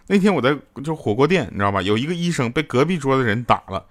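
Lively male comic, stand-up set, swooping playful delivery. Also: medium pitch, fast. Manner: animated joke-telling with playful asides. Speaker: comedian and sponsor spokesman. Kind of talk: stand-up comedy monologue.

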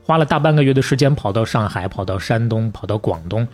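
A man with a Beijing accent hosting a podcast, telling stories in a lively, colloquial, folksy conversational way. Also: fairly low pitch, quick pace. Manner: colloquial and folksy, with proverbs and acted-out asides. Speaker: podcast host.

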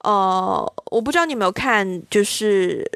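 A woman's voice: mid-range voice, animated, normal speed, creaky, a bit bright, no echo. A woman chats reflectively as a podcast co-host. The sound is close and dry, and her talk is casual and conversational.

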